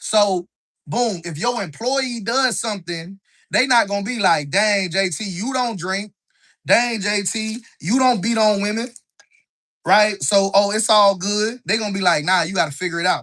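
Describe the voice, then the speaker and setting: A man with an American accent, high-pitched, at a moderate pace, with ordinary pitch variation and an animated, bright, sharp tone. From US South. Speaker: business coach. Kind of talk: live stream business talk. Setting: home kitchen live stream.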